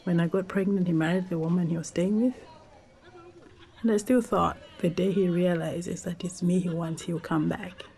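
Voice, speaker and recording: A Zambian woman whose first language is Tonga, telling her life story in a reflective, unhurried way with pauses and restarts. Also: fairly low pitch, steady tone, mellow. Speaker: documentary interviewee.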